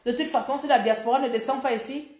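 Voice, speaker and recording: A woman from Gabon, an activist, talking fast and emphatically in a defiant political monologue. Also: sits high, a little mellow, roomy sound.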